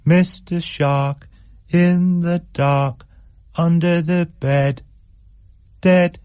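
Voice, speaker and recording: A man's voice: a little high, fairly even intonation, very slow, darkish tone, smooth, voice pushed up. A man doing a cheeky sing-song little boy. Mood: teasing. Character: cheeky young boy, mischievous.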